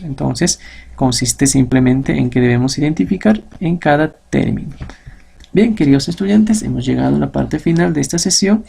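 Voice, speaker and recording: A male teacher gives a recorded grammar lesson. His voice is husky and gravelly, sitting a little high for a man. He explains step by step, posing questions to himself and answering them. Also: normal speed, dark tone.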